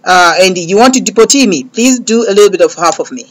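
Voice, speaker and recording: A man's voice: high voice, lively intonation, fast talker. Rambling comedian man on studio mic. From Malawi and South Africa. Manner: rambling, repeats filler words while telling comic stories. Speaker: comedian guest. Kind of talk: radio interview. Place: radio studio, indoors. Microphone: large studio mic close above.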